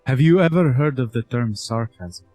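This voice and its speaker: A man role-playing his character at a tabletop game, speaking in a dry, deadpan, lecturing way. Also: medium pitch, moderate pace, soft background music.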